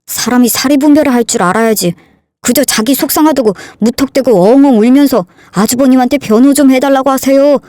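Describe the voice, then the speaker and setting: A woman's voice: high-pitched, fairly quick, warm tone, no echo, clean studio sound, close to an everyday voice. A woman voicing a condescending young husband who lectures his wife. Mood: lecturing. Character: condescending self-righteous young husband, man.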